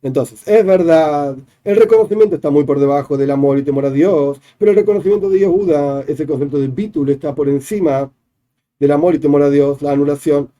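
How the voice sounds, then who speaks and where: A man's voice: on the high side, fairly quick, warm tone. A man, a rabbi teaching a Hasidic discourse, explaining each idea step by step with repeated definitions. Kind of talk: explanatory religious class.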